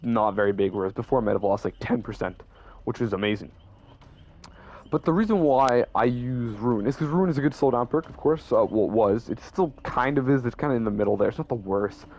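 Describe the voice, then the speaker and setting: In a brisk, slightly mellow mid-range voice, a young YouTuber chats about his game builds. He's casual, tends to ramble, stutters and keeps correcting himself.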